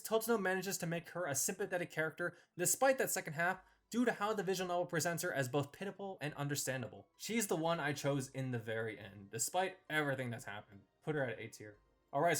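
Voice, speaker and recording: A man's voice: a little high, fairly bright tone. A man hosting a casual ranked-list review, giving opinionated commentary on characters.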